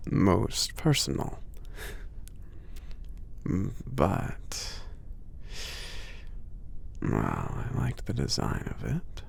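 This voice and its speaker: A man playing a gentle, friendly giant in a soft-spoken ASMR roleplay, shy, polite and hesitant, with a breathy, husky murmur. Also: low voice, a little hiss or hum, heavily acted. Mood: shyly warm. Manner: hesitant, murmuring, halting with many soft pauses.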